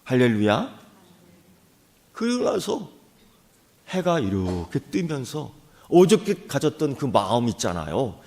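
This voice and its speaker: A male pastor delivering a sermon as animated storytelling, dropping to a hush and rising again. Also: mid-range voice, slow pace, pauses often. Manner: animated storytelling, swings from hushed to loud.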